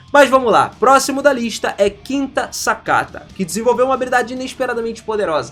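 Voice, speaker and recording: Very fast speech in a Carioca accent, with hardly any pauses and ordinary pitch variation. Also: man, extremely high pitch for a man. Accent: Carioca (Rio de Janeiro). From Brazil, Rio de Janeiro. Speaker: anime YouTuber. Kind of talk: casual video commentary. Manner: casual slangy delivery.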